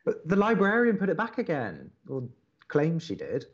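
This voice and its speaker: An earnest young man co-hosting college radio in an audio drama. His delivery swings expressively in pitch as he placates and hesitates. The recording is a little muffled. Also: huge pitch swings, moderate pace, breathy edge, full character voice. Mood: reassuring. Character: soothing young male college radio co-host, earnest and conciliatory.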